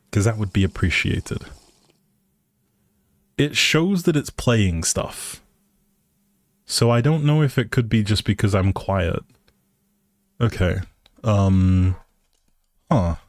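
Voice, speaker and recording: A man's voice: fairly low pitch, slow, pauses often, dry recording. A man live streaming a game, chatting casually with viewers and thinking aloud in an easygoing, polite way. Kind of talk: casual livestream chat over gameplay.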